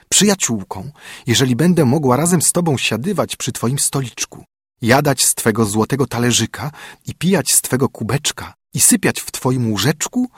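A slow, coaxing female frog from a fairy tale, drawing out her words as she pleads and insists, as a man puts her on. The voice is husky and very animated, with wide swings in pitch. It sounds dry and close. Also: no echo.

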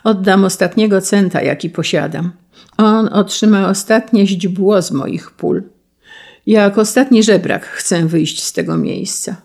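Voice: mid-range voice, unhurried, creaky, a little mellow. A reader voicing a proud young count who gives up his name and estate, dignified and firm in an audiobook reading.

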